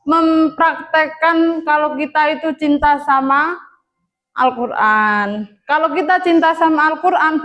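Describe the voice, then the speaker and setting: Slow-speaking high-voiced woman teacher. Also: a bit bright. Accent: Indonesian. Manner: slow, coaxing questions to pupils. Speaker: primary school teacher. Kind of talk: classroom teaching. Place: classroom.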